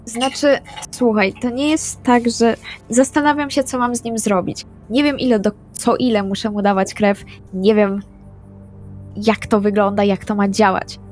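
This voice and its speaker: A woman's voice: on the high side, steady tone, a little slow, a little mellow. A woman improvising serious in-character dialogue in a tabletop role-playing game. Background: music.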